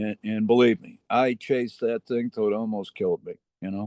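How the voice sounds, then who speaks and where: With an American accent, a man talks at a moderate pace and medium pitch in a dark, mellow tone, with ordinary pitch variation and a dry, close sound with no echo. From Queens, New York. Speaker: recovering addict sharing at a meeting. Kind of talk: personal recovery share. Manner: casual, conversational.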